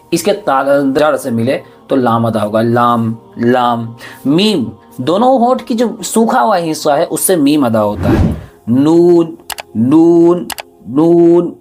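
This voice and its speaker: Man teaching letter sounds slowly. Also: a little high. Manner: slow, repeats each letter sound several times. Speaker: Quran teacher. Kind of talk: Quran pronunciation lesson.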